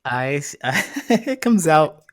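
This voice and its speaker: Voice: mid-range voice, very animated, slow, no echo. Upbeat podcast host, close dry sound. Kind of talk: casual interview chat.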